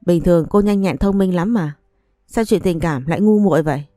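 A blunt, fed-up young husband, cold and reproachful toward his wife, as a woman narrator voices him in an audiobook. The voice sits low and mellow, close and dry. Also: a little fast, no room sound, soft background music, natural voice. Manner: cold, accusing, flatly reproachful. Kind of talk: audiobook story reading.

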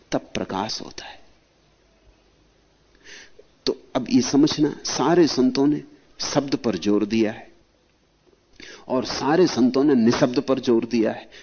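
A man giving a devotional spiritual discourse, speaking slowly and lingering on his phrases, reciting verses at a slow pace, then rising suddenly into high, emphatic lines. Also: highs cut off.

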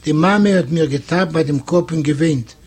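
A man from Eastern Europe reading a classic story aloud in measured storytelling. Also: a little high, a little mellow, slightly rough. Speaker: audiobook narrator. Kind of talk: scripted literary narration.

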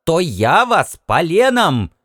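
A man voicing a curt, fussy alien housewife with a sharp metallic voice, in an audiobook reading. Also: a little high, sing-song, normal speed, dry recording, clean studio sound, voice pushed up. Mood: indignant. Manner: snappish, dismissive.

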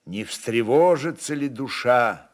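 A man narrating historical fiction in a measured, expressive, deliberate way. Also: medium pitch. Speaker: narrator reading a literary work. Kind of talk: dramatic literary narration of a historical novel.

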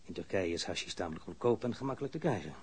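A man's voice: low voice, expressive, racing, a little mellow, a little hiss or hum. Stern, sardonic male police interrogator. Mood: taunting, insistent. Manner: probing, formal, sardonic. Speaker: actor in a crime drama. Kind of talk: audio drama interrogation dialogue.

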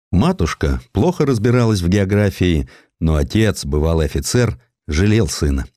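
A man narrating a historical story in an expressive, theatrical literary style. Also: deep voice, no echo, clean studio sound. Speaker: narrator, audiobook reader.

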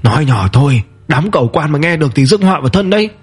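Fearful commoner, voiced by a man, sighing and hushed, husky. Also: on the high side, lively intonation, very fast, faint music behind, pitched above the performer's own voice. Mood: lamenting. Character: grieving, fearful male commoner.

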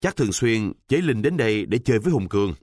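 Man playing a cocky slangy teen who teases, lowish voice, dry sound. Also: expressive, fast, darkish tone, no echo. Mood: teasing. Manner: mocking, full of slang. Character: cocky, teasing streetwise teenage boy.

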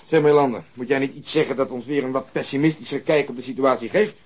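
An actor playing a blunt, sceptical police detective in a radio drama, with a dry, gruff, curt delivery. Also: male voice, medium pitch, quick pace, natural voice.

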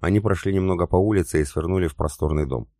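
A man narrating a war novel as an audiobook in an even, steady reading. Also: low voice, quick pace, no room sound, studio quality.

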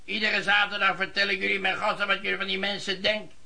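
An actor playing a gruff lodging-house boss with a gravelly, sharp voice in a Dutch radio play. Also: male voice, high voice, little pitch movement, fast talker, full character voice. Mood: scornful, menacing.

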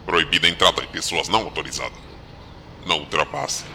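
Man as a deep, forceful security announcer. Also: quick pace, slight background noise, heavily acted. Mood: stern warning. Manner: impersonal, warning. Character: stern, impersonal male security announcement system. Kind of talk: scripted announcement in audio drama.

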